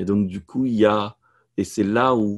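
Over a quiet background, a man speaks at a fairly low pitch with fairly even intonation. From Africa, moved to France at 14. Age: 40s. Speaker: spiritual speaker; conference guest. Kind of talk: interview. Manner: halting. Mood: calm, reflective. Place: home room. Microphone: webcam.

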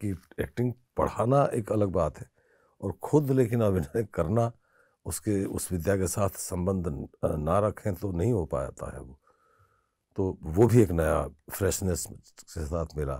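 In a dry recording with no echo and a quiet background, a man with a fairly low pitch and a dark, mellow tone speaks at a fairly slow pace, using lively intonation, big swings in loudness, and long, frequent pauses. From Odisha, India. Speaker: theatre director, actor and drama professor; actor, drama professor. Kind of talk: interview conversation. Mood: calm, reflective. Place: studio. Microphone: lapel.

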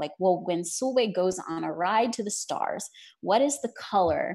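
A plain, everyday voice talks at a moderate pace. The pitch variation is ordinary. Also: woman. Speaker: author and illustrator. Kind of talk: panel discussion. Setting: video call.

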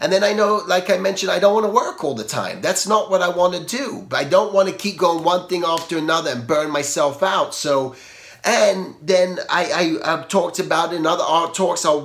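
At a fairly quick pace, a man speaks in a high voice with ordinary pitch variation. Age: 40s. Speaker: artist and art teacher. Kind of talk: monologue talk. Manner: rambling, repetitive, restarting sentences; informal, conversational. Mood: reflective, slightly frustrated. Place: home room. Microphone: webcam.

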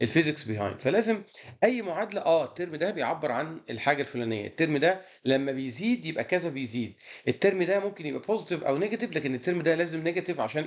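With lively intonation, the voice moves along at a fairly quick pace. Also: man. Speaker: engineering lecturer. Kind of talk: lecture. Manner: halting, many fillers.

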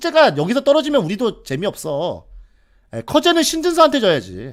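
A man in an animated tone at a fairly quick pace, on a very clean recording with a silent background. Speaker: go commentator. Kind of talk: live game commentary. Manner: fast.

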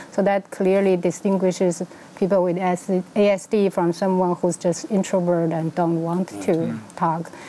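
A woman's medium-pitched, monotone voice at a fairly slow pace, with very even loudness and light background noise. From China. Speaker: bioinformatics professor. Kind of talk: studio interview. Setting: studio. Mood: calm, explanatory. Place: studio. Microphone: lapel.

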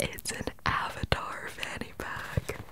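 A woman is whispering. Her pace is very slow. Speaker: video creator. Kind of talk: casual product review chat. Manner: soft, delighted close-mic voice. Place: home room. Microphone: studio mic.

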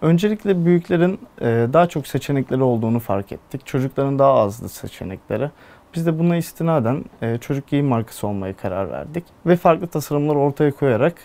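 Fairly high-pitched, a man speaks at a fairly quick pace with a dark, mellow tone and lively intonation. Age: 20s. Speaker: general manager of a children's clothing brand; guest. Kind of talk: interview. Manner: formal. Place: studio. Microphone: lapel.

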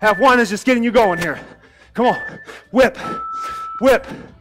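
Speech at a moderate pace comes with clear music playing behind it. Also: man. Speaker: fitness instructor. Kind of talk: workout coaching cues. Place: home room.

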